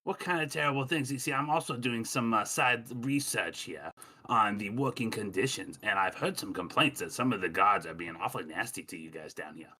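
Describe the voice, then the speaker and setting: A pompous, bossy inspector, as a player puts him on, low and forceful, full of bluster and condescension. He stalls on ums and restarts, then barks orders. The tone is tense and pushy. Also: a little fast. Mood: brusque. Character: brusque male safety inspector, pompous and condescending. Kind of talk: tabletop game role-play.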